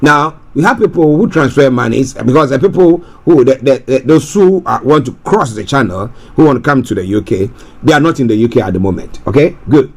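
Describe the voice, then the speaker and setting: A man's voice: mid-range voice, expressive, brisk, a little mellow. A man from Ghana, giving talk radio commentary in a rambling way, restarting and repeating himself. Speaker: radio presenter.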